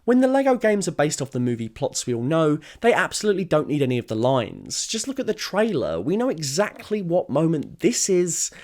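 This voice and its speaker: A man's voice: fairly high pitch, huge pitch swings, fairly quick, few pauses, over loud music. A young man giving scripted opinion narration as a video essayist, conversational, opinionated and emphatic.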